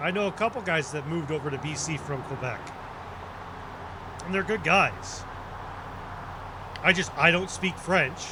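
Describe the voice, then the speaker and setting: A man talks in a high pitch at a moderate pace, with long, frequent pauses. His pitch variation is ordinary, and there is noticeable background noise. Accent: American. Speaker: gaming streamer. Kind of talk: casual live-stream chat while gaming. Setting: live stream, talking to chat.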